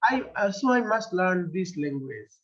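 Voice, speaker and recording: Man, Bangladeshi accent, Bengali native speaker, halting answers, dull recording. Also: sits high, very animated, fairly bright tone. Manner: hesitant, many fillers and restarts. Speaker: poet. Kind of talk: interview. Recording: dull lo-fi sound.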